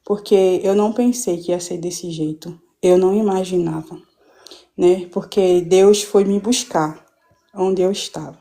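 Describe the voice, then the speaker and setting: Fervent woman with a mellow voice. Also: lowish voice, fairly even intonation, measured pace. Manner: fervent, rambling, with many restarts. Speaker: guest giving a church testimony. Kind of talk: emotional personal testimony on a live stream. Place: at home.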